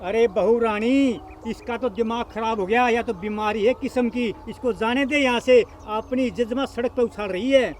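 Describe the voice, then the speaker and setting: A man's voice: very high voice, moderate pace, few pauses. A man playing an exasperated elderly village father-in-law who grumbles dismissively about his wife. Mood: disgusted.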